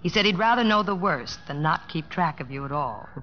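An actress playing a gentle, devoted young American wife in an old-time radio drama, speaking with tender poise. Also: female voice, on the low side, expressive, brisk, lightly acted. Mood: fond, light. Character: gentle, devoted young sweetheart and wife, narrating her memories. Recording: dull vintage radio recording, music behind.

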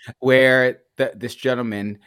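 A man's voice: mid-range voice, fairly even intonation, a little slow, a bit bright, clean tone, no room sound, studio quality. A man co-hosting a podcast in casual, cheeky banter with a playful, campy manner. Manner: playful, campy, cheeky, calls co-host darling and girl. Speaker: podcast co-host.

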